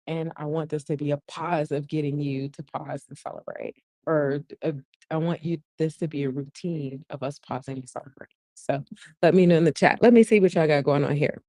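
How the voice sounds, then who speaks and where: Woman, 40s, casual livestream host, talks to viewers, hushed soft delivery, low pitch, dry sound. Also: steady tone, a little fast, no room sound. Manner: chatty, reads viewer comments aloud, laughs often; speaking softly to keep her voice down. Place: shared co-working space. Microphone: earphones mic.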